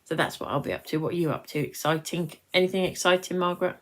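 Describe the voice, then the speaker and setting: A woman's voice: fairly low pitch, fairly even intonation, fast. A British woman in her late forties hosting a live craft demonstration, chatting and rambling as she breaks off to talk to viewers. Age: late 40s, nearly fifty. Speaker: craft tutorial host.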